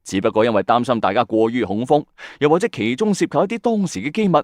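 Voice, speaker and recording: A man's voice: medium pitch, fast, a little mellow, no echo. A man with a Hong Kong Cantonese accent narrates like a late-night ghost story host, colloquial and emphatic, speaking straight to listeners. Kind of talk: dramatic storytelling narration with commentary. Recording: dry voice-over with music underneath. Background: background music.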